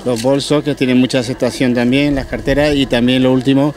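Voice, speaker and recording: A man's voice: medium pitch, flat delivery, a little fast, a little mellow. Modest, matter-of-fact man craftsman. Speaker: craftsman stallholder. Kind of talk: casual explanation. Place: outdoor market.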